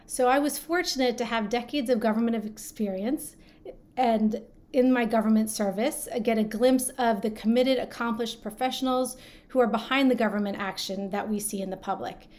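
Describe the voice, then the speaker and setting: A woman hosting an interview show, reading a guest introduction and asking questions in a measured, scripted way. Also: on the high side, darkish tone. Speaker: podcast host.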